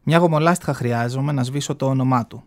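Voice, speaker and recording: A man's voice: mid-range voice, natural voice. A man reading aloud from a novel in the voice of an aging, flamboyant gay man who tells his story in a sassy, mocking way, in a radio studio.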